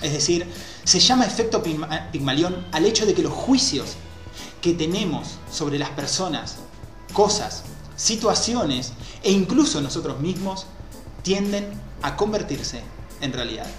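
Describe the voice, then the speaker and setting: A man in his thirties speaking on a headset mic in a small room, explaining psychology ideas with lively hand gestures. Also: a little high, unhurried. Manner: animated, gesturing with both hands. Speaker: host. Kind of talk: explanatory talk on a video call. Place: small room with a white wall, indoors. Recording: echoey room with faint music.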